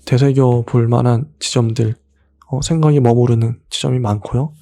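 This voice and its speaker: A man calmly reading a book aloud in a measured, reflective way, adding brief comments of his own. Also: mid-range voice, no room sound, studio quality. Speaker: book reader and host.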